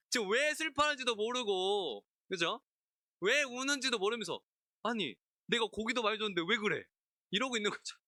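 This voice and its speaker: In a clean studio recording with no room sound, a pastor preaches an expository midweek sermon, his slightly high voice bright and forceful. He keeps it conversational, asking the congregation questions, laughing frequently and voicing biblical characters in asides.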